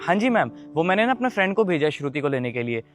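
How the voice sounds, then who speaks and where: A man's voice: on the high side, very animated, racing, soft background music. A man playing a busy father who argues defensively with his daughter's school principal. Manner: defensive, irritated. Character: busy father, irritated then apologetic. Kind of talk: short drama skit.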